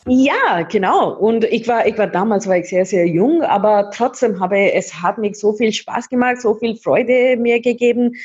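A woman's voice: mid-range voice, a little mellow, husky, lo-fi sound. A woman from India, Hindi native, telling her life story in an interview, often restarting and repeating words. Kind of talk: casual interview talk.

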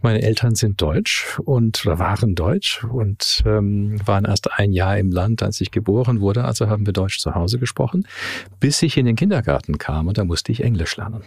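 A man in his forties, raised in Canada and speaking with a slight tinge, answers interview questions thoughtfully, with pauses and fillers. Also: fairly low pitch, lively intonation, slightly rough, dry recording, clean studio sound. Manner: thoughtful, hesitant, many fillers. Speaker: podcast guest.

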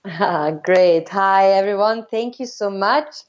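A woman in her thirties from Austria, a podcast guest telling her story in a casual, halting way with many fillers and restarts. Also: mid-range voice, lo-fi sound.

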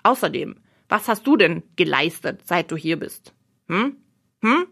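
A woman's voice: lowish voice, sing-song, measured pace, creaky, fairly bright tone, exaggerated voice. A woman voicing a blunt, provocative male bird in an audiobook, questioning and challenging the heroine. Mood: needling. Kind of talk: audiobook role reading.

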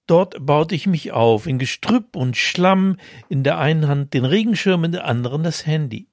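A man's voice: a little high, expressive, normal speed, a little mellow, dry recording. A man co-hosting a podcast, reading his own humorous column with dry, self-mocking storytelling and then chatting casually. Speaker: podcast co-host.

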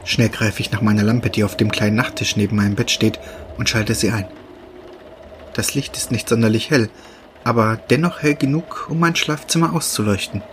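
A man reading short horror stories in a slow, hushed, deliberate voice with dramatic pauses. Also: fairly low pitch, fairly even intonation, slight background noise. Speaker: narrator. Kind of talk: scripted horror narration. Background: background music.

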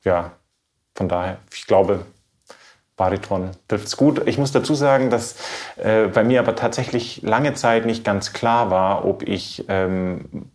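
A man from Bavaria, a trained baritone, giving reflective, measured interview answers and searching for his words. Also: a little mellow. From Bavaria, Germany. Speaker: classical baritone singer being interviewed.

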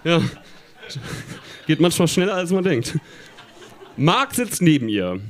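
A man's voice: a little high, big pitch swings, slow, background noise. A man reading a children's story aloud, chuckling often, now and then stumbling over words and talking to his listeners.

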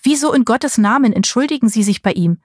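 A woman voicing a frail, indignant old woman in an audiobook, with a shrill, scolding voice. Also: animated, fairly quick, darkish tone, no room sound, studio quality.

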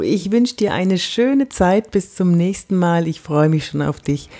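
A woman from Franconia hosting a coaching podcast, animated and emphatic, with whispered asides. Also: sits low. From Franconia, Germany. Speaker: podcast host and body-language coach.

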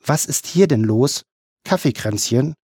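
A man voicing a brisk, mocking female police chief who needles her colleagues with pointed questions. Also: mid-range voice, lively intonation, darkish tone, husky, no room sound, studio quality. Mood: needling.

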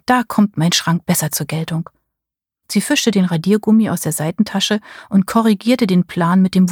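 Eine Frau liest eine verliebte junge Frau, die leise vor sich hin murmelt. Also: female voice, lowish voice, breathy edge, no room sound, clean studio sound. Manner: murmured, hushed. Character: young woman in love, dreamy and startled.

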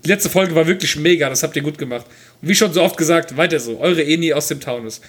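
A man's voice: on the high side, fast, a bit bright. A man co-hosting a podcast in casual chat, jokey and laughing often as he reads listener mail aloud.

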